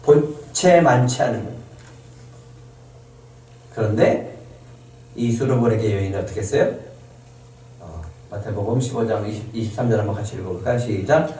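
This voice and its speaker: A man's voice: lowish voice, moderate pace, long pauses, dark tone. A male pastor preaching a sermon in a church, emphatic and full of rhetorical questions to the congregation. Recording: echoey hall from far off.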